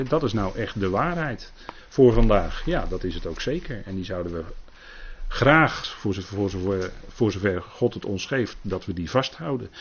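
A man's voice: lowish voice, slight background noise. A man teaching on scripture in a sermon style, emphatic, with frequent tag questions and rising stresses. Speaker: preacher. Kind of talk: bible study talk. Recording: muffled lo-fi recording.

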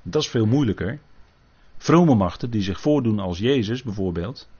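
This preacher's fairly low voice is mellow and slightly rough, with lively intonation at a normal speed. Teaching a Bible sermon earnestly and cautiously, he keeps checking in with listeners via tag questions, heard through a dull lo-fi recording.

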